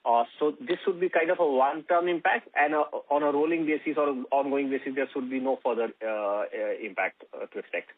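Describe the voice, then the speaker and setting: A man calling in as a financial analyst to ask questions, in a halting, circling way. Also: mid-range voice, dry recording. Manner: halting, hedging, circling delivery. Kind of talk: asking questions on earnings call. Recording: dry, narrow telephone line.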